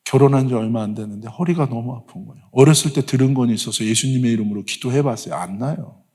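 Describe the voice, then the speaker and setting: A man preaching as a guest pastor, leading the congregation in call and response and telling stories in an animated way. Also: mid-range voice, fast talker. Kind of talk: sermon. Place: church sanctuary. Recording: long church hall reverb.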